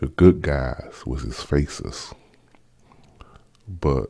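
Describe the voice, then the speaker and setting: A man with a South Carolina accent speaks at a very slow pace. His pitch is very deep and low, with vocal fry. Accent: Southern US (South Carolina). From US South, South Carolina. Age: 40s. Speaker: YouTuber. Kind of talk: casual vlog monologue. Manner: halting, many fillers.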